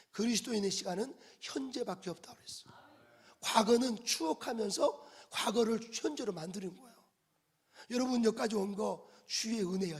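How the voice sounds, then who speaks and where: A middle-aged male pastor preaching a sermon, animated, with sudden loud bursts and call-and-response with the congregation. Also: high-pitched, breathy edge.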